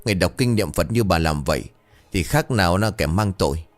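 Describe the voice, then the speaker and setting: A stubborn old boatman speaks in a low, gruff, resolute voice that brushes off any fear, as a male narrator voices him. It is a storybook telling with faint music underneath. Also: animated, a little fast.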